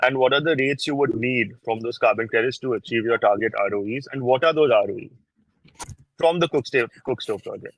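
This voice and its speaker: A man's voice: medium pitch, a little fast, a bit bright, dry recording, low-quality recording. A man asking questions as an investor on an earnings call, insistently rephrasing what he wants to know.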